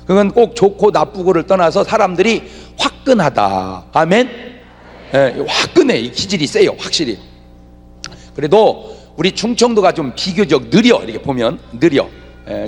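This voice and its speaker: A man preaching a revival sermon from the pulpit, humorous and animated, drawing answers back from the congregation. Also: sits high, husky. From Chungcheong, Korea. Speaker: pastor. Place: large church revival meeting. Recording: echoey hall reverb.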